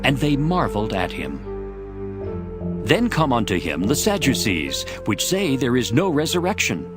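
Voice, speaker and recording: A man's voice: mid-range voice, huge pitch swings, moderate pace. A man narrating scripture from a script in a dramatized audio reading. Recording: voice over prominent background music.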